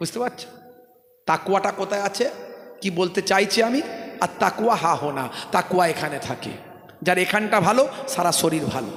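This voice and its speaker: This man has a high pitch and lively intonation. Noticeable background noise sits behind him. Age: 40s. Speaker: Islamic preacher. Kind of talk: sermon. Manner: rhetorical, exhorting.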